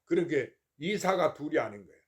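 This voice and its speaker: An older male monk with a somewhat high voice delivers an informal temple sermon. He keeps it folksy and rhetorical, checking again and again that his listeners have understood. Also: animated, brisk. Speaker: Buddhist monk giving a Dharma talk.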